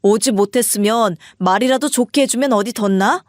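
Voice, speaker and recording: A defensive storybook husband, curt and dismissive, voiced by a woman. The voice stays fairly high and close-miked. It sounds dry, with no room around it. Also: moderate pace, a little mellow, dry recording, close to an everyday voice. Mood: irritated. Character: irritated defensive husband, adult man.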